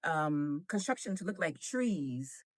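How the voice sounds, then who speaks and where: Low-pitched nigerian-born woman w american accent, animated, laughs a lot, dry close sound. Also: takes it slowly, dry recording. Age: middle-aged. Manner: animated, laughs often, repeats words when starting. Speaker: guest. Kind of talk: casual interview conversation.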